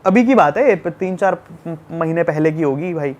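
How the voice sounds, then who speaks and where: A young man from Delhi telling a travel story in a casual podcast chat, animated and acting out the scenes. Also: a little high, normal speed. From Delhi, India. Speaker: travel YouTuber guest.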